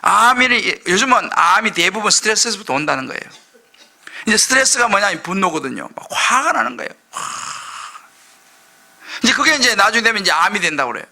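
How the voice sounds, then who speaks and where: A middle-aged male pastor preaching a sermon, impassioned, swinging from loud outbursts to hushed asides. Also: sits high, very animated, a little fast, gravelly. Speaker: senior pastor.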